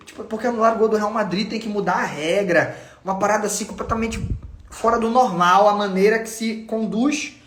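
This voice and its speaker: A man's voice: sits high, fairly bright tone, roomy sound. A Brazilian man hosting a football channel, giving insistent, opinionated commentary and repeating his points for emphasis. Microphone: home recording.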